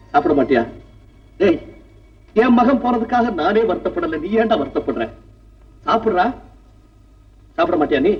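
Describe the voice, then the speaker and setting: An actor playing a stern middle-aged father in a 1960s film drama, scolding yet tender and heavy with grief. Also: high-pitched. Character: stern aging father of a grown son. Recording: distant dull 1960s film soundtrack with music.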